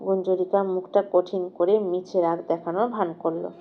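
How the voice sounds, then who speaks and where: A woman's voice: fairly low pitch, steady tone, moderate pace, a little hiss or hum. Woman narrating a story, slightly muffled. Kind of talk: dramatic scripted narration of a sad romance novel.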